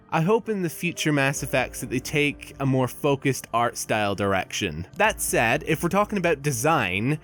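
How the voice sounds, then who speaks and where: A man reviewing a video game in a casual, opinionated and conversational way. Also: mid-range voice. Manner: opinionated, conversational, with small restarts.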